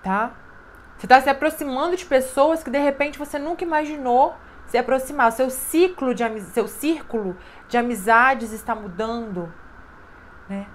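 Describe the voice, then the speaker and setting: A woman's voice: high-pitched, normal speed, slight background noise. A woman giving an intuitive tarot card reading, talking in an emphatic, repetitive way and often checking in with "né?" and "sabe?". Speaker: tarot reader.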